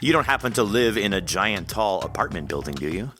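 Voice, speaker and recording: Deep guy hosting a podcast, bright forceful tone, chatty and laughs a lot. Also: very animated, brisk, faint music behind. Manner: friendly, rambling, laughs often. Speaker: podcast host. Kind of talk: casual interview chat.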